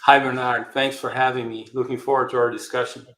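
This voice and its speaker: A man's voice: medium pitch, little pitch movement, brisk, a bit bright. A man from Brazil with a Brazilian accent, answering interview questions conversationally and hesitantly, often tagging his phrases. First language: Portuguese. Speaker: interview guest, telecom marketing director. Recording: echoey room sound.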